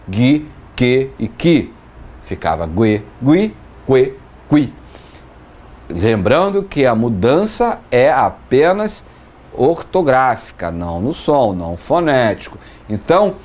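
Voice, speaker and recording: A man teaching a grammar lesson, patiently explaining rules, listing example words and checking understanding with quick questions. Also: medium pitch, darkish tone.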